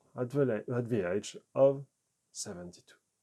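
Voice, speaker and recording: On a very clean recording with a silent background, a man with a French accent speaks at a fairly slow pace, his medium-pitched voice dark and mellow in tone. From France. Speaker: freemasonry history video maker. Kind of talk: explainer monologue. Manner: halting, self-correcting.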